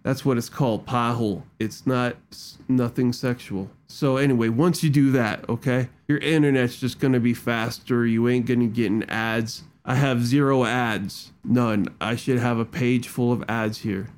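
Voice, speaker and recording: A man's voice: mid-range voice, steady tone, normal speed, few pauses. A man casually rambling through a tech walkthrough into a desk microphone, with loose slangy talk and lots of fillers. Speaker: tech video creator. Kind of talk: casual screen-recording walkthrough. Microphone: studio microphone at a desk.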